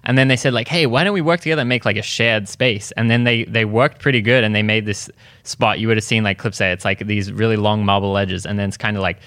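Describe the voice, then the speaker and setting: A man's voice: on the low side, fairly even intonation, quick pace, fairly bright tone, dry recording, studio quality. A man in his late twenties with an Australian accent, chatting casually as a podcast guest, upbeat and laughing easily. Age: 20s. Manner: upbeat, laughs often, lots of "like". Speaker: guest, pro skateboarder.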